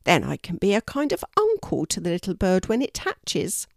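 A woman's voice: fairly low pitch, huge pitch swings, moderate pace, vocal fry, no echo, studio quality, exaggerated voice. A woman voicing a meek, apologetic male blackbird in a children's story. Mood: grateful.

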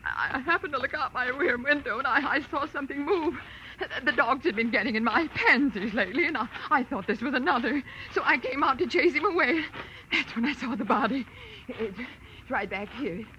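A high, sharp-voiced woman, a nervous busybody in a 1940s radio thriller. She stammers and insists excitably. The old recording has faint noise. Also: fairly quick, highs cut off. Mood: flustered, insistent. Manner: stammering, breathless exclamations. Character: excitable, frightened busybody spinster, flustered and insistent. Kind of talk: 1940s radio drama acting.

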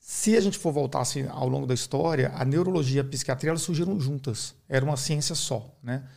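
A middle-aged Brazilian man, a neurologist, explaining his field in a measured, teaching way on a podcast, often tagging his sentences with a questioning aside. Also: medium pitch, creaky, a little mellow. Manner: measured, didactic, uses many "né?" tags. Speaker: neurologist guest.

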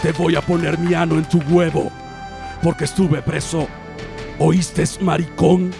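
A man voicing a gruff male action-movie cyborg who served time in prison, growling menacing threats and repeating a tag question. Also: fairly high pitch, flat delivery, measured pace, over music, pitched above the performer's own voice. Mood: threatening.

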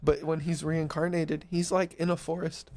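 A man's voice: a little high, moderate pace. A man co-hosting a casual podcast, eagerly retelling a story with many fillers. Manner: excited retelling, filler-heavy. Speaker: podcast co-host. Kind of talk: casual chat.

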